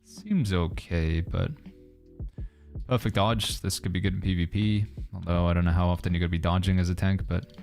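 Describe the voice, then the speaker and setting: A man streaming a game, reading viewer questions aloud and musing through his answers in a relaxed, casual way. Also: deep voice, brisk, vocal fry, faint music behind. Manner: relaxed, reads viewer questions aloud and muses with hedging asides. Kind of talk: casual livestream chat while playing.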